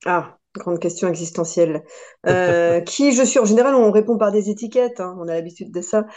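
A woman's voice: on the low side, a little fast, darkish tone. A French woman in her forties, a coach and guest on a podcast interview, speaking thoughtfully with many hesitations and restarts. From France. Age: 40s. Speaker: guest, personal development coach.

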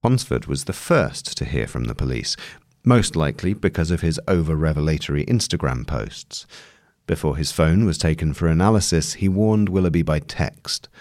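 A man reading a long-form piece of journalism as scripted narration, in a measured, articulate delivery. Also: extremely low pitch, animated, a little mellow, no room sound, studio quality.

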